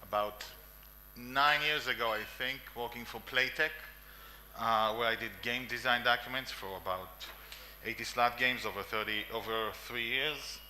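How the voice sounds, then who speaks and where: A man's voice: medium pitch, normal speed, pushed and bright, a little hiss or hum. Israeli man giving a conference talk. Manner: emphatic, repeats lists, frequent coughs and fillers. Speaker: conference speaker. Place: conference room, indoors.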